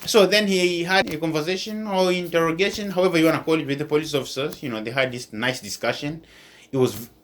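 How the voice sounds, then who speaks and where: A man's voice: on the high side, quick pace, a bit bright. A man hosting an online channel with informal news commentary, restating his points as he goes.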